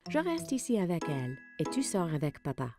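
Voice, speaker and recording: A woman's voice: lowish voice, wildly swooping pitch, a little fast, mellow, faint music behind. A woman playing a kind young mother in a children's cartoon, speaking in an encouraging, playful way. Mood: reassuring. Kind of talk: animated children's cartoon dialogue.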